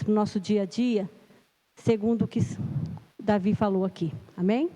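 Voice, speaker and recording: A woman's voice: medium pitch, dark tone. A middle-aged Brazilian woman giving a sermon in church, nervous at the start, then earnest and emphatic. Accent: Brazilian Portuguese. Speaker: lay preacher. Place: church hall. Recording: long church-hall reverb.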